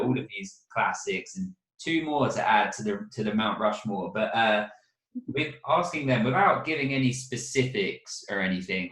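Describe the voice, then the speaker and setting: Man with a low voice in a roomy space. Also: a bit bright. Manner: rambling questions with fillers. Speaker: podcast host. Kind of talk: casual podcast interview. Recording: roomy echo.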